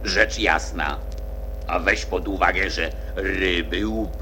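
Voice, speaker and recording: A man's voice: sits low, takes it slowly, bright, forceful tone, a little hiss or hum, heavily acted. A man playing a pompous, sentimental sea creature in a radio play, blustering and stammering as he exclaims. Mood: jovial, emphatic.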